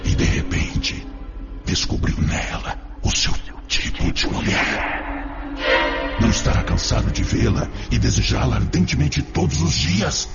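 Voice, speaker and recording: A man's voice: on the low side, big pitch swings, unhurried, vocal fry, full character voice. An actor in a Portuguese-language radio drama playing an insinuating male tempter spirit, persuasive and goading, with rhetorical flourishes. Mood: seductive, insinuating. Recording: dull audio under loud music.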